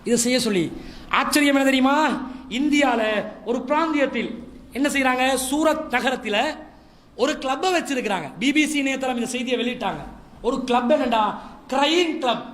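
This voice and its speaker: A man's voice: very high-pitched, normal speed. A man preaching at a Ramadan lecture series, mixing humorous stories and mimicry into the sermon. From Sri Lanka. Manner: humorous, lively storytelling with mimicry and asides. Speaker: Islamic preacher.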